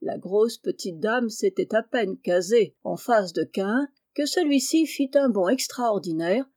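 Warm-voiced woman reading a novel. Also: mid-range voice, lively intonation, unhurried. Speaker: audiobook reader. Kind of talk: reading a classic novel aloud.

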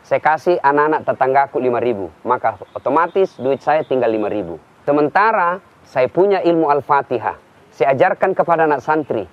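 A man's voice: medium pitch, a little fast. A man giving a televised Islamic sermon, telling stories with humorous examples. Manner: lively storytelling preacher, humorous examples. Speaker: Islamic preacher. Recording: dull lo-fi recording.

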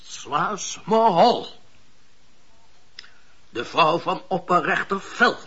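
A cynical male schemer in a radio play, his voice fairly high and husky with a hard, forceful edge. He is sardonic and bossy, stressing his points on a dull recording. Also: lively intonation, extremely slow, heavily acted. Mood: sardonic, scheming. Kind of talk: Dutch radio drama acting.

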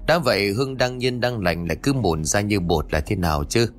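A man voicing a gruff old male village sorcerer who mutters and grumbles in a low voice. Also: animated, a little hiss or hum, close to an everyday voice. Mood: grumbling. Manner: low muttering, slow curses.

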